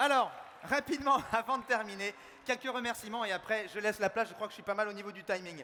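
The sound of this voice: Doing a hoarse, put-on character voice, a man talks very fast in a high register with ordinary pitch variation and big swings in loudness, over clear background noise.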